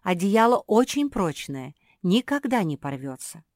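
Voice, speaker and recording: A woman voicing a gentle, motherly black female pug who speaks in a tender, coaxing way. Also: medium pitch, very animated, measured pace, no echo, clean studio sound, pitched above the performer's own voice.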